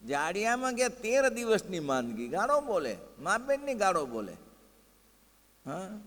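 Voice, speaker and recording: A man narrating devotional scripture stories in a lively way, acting out the characters' voices. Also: sits high, a little slow. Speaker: religious storyteller. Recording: long hall reverb.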